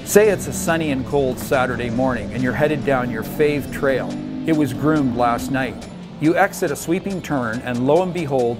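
Older male host, enthusiastic scripted narrator, average pitch, light music bed. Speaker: show host. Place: indoor studio set.

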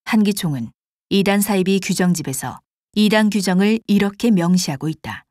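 A woman reading scripted documentary narration in a formal, measured manner. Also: medium pitch, a little mellow, no room sound, clean studio sound, natural voice.

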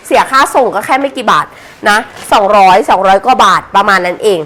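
A Thai woman selling clothes on a live stream in a chatty promotional pitch, with sweet polite address to customers. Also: fast talker, a bit bright. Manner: sweet polite particles, addresses customers as older sister and mother. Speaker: live-stream seller of secondhand clothing bales.

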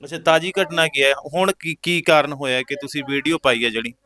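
Brisk field reporter. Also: medium pitch, pushed and bright. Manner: brisk, prompting, consoling. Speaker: news reporter. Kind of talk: field interview.

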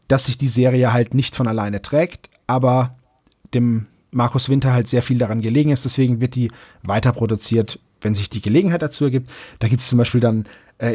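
A male podcast host talks in a conversational register. His voice sits at a middling pitch and has a husky, slightly rough edge. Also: a little mellow. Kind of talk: casual podcast chat and announcements.

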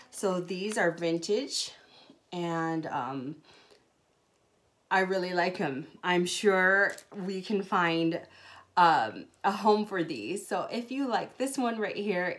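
A woman in her thirties from Hawaii, chatting through a live jewelry sales show with many ums, recorded on a phone in a small indoor room. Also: lowish voice. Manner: chatty, many ums, upbeat product talk. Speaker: jewelry seller.

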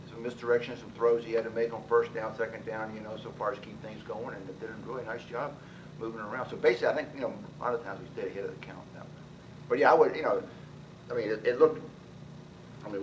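A man in his sixties, a head football coach, answering at a post-game press conference, talking quickly with many restarts and repeated words. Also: fairly low pitch, muffled recording. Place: press room with sponsor backdrop. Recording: distant mic, noisy press room.

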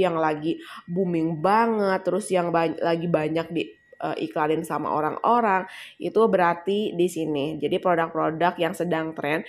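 A young woman casually walking viewers through trending online shop products, chatty and addressing them as guys. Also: fairly low pitch. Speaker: affiliate marketing vlogger. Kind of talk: casual screen-recording walkthrough.

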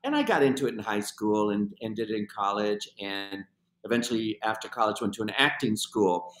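A man's voice: lowish voice, expressive, a little fast, fairly bright tone. Reflective older man, echoey room. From Argentina. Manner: reflective, hesitant with many fillers. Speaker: guest, film teacher. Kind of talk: interview answers. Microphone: webcam on video call.

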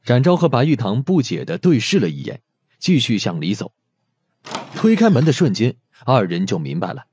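A man narrating an audiobook story in an expressive, scripted storytelling style. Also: mid-range voice, moderate pace, a little hiss or hum. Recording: music behind the voice.

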